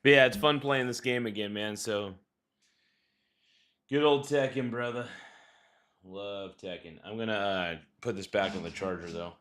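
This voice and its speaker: A man's voice: lowish voice, unhurried, pauses often, a bit bright. A man hosting a live stream, chatting casually with viewers while he plays a game, in a laid-back way. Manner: laid-back, peppers talk with "dude" and "brother". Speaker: livestream host. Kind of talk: casual livestream chat while gaming.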